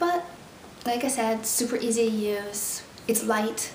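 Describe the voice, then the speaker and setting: A woman speaks with a fairly high pitch. Light background noise and audible room echo surround her. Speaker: beauty and tech vlogger. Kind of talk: casual product review to camera. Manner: whispered. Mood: cheerful, playful. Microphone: phone near.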